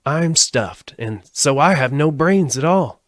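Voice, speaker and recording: A man voicing a friendly, earnest, brainless straw scarecrow from a storybook, with a husky voice and emphatic, swooping delivery. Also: a little high, lively intonation, takes it slowly, dry recording, clean studio sound, voice pushed up. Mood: plaintive, earnest. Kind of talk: storybook character voice.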